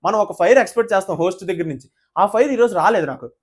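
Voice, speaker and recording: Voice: mid-range voice, lively intonation, racing, breathy edge. A reality show reviewer giving casual commentary to the camera, indignant, full of rhetorical questions and direct appeals to viewers.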